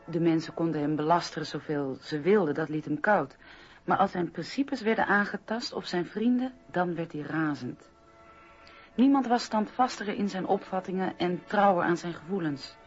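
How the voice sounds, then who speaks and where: A woman playing a loyal, admiring eighteenth-century friend, reading earnestly and in a measured way in a radio documentary drama. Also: lowish voice, muffled recording, faint music behind, lightly acted. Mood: earnest admiration. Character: Amélie Suard, loyal admiring 18th-century female friend.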